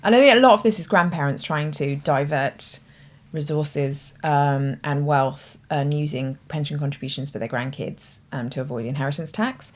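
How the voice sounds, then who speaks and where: A woman's voice: deep voice, moderate pace. A British woman hosting her own show, explaining ideas in a thoughtful, conversational way with hedging asides. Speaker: host. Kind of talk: explanatory talk to camera.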